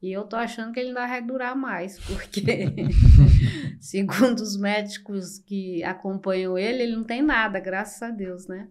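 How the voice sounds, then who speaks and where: An older woman from Brazil, a podcast guest telling her life story slowly and reflectively, with many pauses. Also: medium pitch, darkish tone. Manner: slow, reflective, with frequent pauses and fillers. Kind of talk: personal storytelling in an interview.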